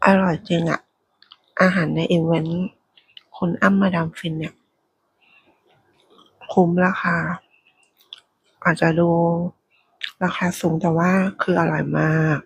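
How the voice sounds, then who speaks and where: A woman whispers quietly and breathily in an ASMR eating commentary, murmuring unhurriedly close to the microphone. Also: on the low side, level tone, slow, gravelly, pauses often, husky, no room sound, poor audio. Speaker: food ASMR host.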